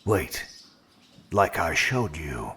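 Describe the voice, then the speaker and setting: An actor playing a cold, controlling inhuman interrogator in an audio drama, speaking in a measured, formal and deliberate way. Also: male voice, a bass voice, sing-song, creaky, fairly bright tone, a little hiss or hum, full character voice. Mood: brooding, controlled. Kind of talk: audio drama with first-person narration.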